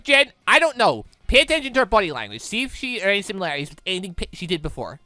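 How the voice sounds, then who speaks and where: Bright, lively gamer thinking aloud. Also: medium pitch, dry recording. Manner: muttering game moves, thinking aloud. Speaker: gaming video host. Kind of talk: casual let's play commentary.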